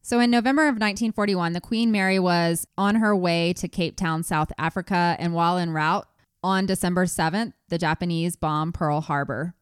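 A woman's voice: lowish voice, moderate pace, clean tone, no room sound, studio quality. A young woman from Colorado co-hosting a casual history podcast, reading out facts with joking asides. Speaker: podcast co-host.

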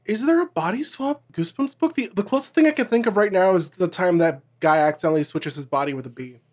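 A woman chatting on a podcast, expressive and swearing freely. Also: fairly low pitch, fast talker. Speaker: podcast guest. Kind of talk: casual chat.

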